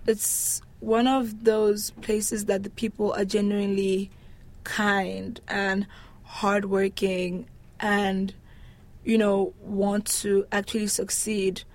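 A woman with a mid-pitched voice talks as a guest in a casual interview. She is candid and informal, often driving a point home by repeating it. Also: level tone, slow pace. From Nigeria.

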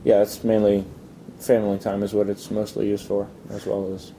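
A man with a very dark, soft-edged voice gives casual interview answers. His pitch sits fairly low and moves little, and he explains things in a measured, hesitant way over a faint low rumble. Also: monotone, creaky, poor audio. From Italy. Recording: low rumbling background noise.

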